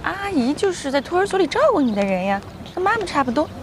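A woman's voice: sits high, sing-song, fast talker, slight background noise. An actress playing a young mother who pleads with her own mother and argues back in a TV drama scene. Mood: coaxing. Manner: pleading, defensive. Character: weary young mother, defensive with her mother, gentle with child. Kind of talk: TV drama acting.

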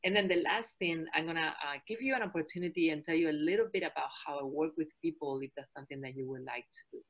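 A woman in her forties from Spain with a Spanish accent, presenting a fitness webinar as a trainer and health coach in a calm, soft-spoken way. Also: deep voice, fast, lo-fi sound.

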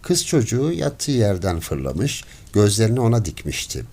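Man narrating an audiobook, low voice, lively intonation, measured storytelling.

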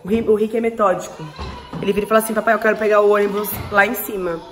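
A woman's voice: mid-range voice, steady tone, rapid-fire. A woman in her thirties with a Brazilian Portuguese accent, chatting affectionately and exclaiming through a casual family vlog. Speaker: family vlogger and mother.

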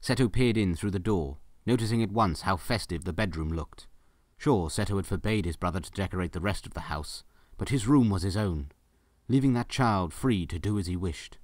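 A man's voice: low voice, moderate pace, no room sound, studio quality. A man giving scripted narration for a story, as the narrator of an audio drama.

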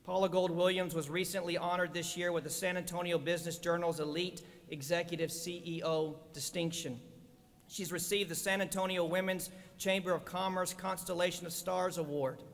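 Male ceremony presenter, middle-aged, fairly high voice, formal read delivery, reverberant arena. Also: steady tone, normal speed, gravelly. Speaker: ceremony presenter introducing the speaker. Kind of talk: formal scripted introduction. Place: large indoor arena stage. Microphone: podium microphone. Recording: echoey large arena, long reverb.

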